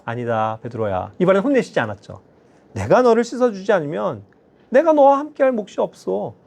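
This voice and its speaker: A man voicing Jesus as a calm, firm male teacher, speaking in a rebuking tone within a sermon. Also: high voice, fairly quick, gravelly, full character voice. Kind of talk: acted quote in a sermon.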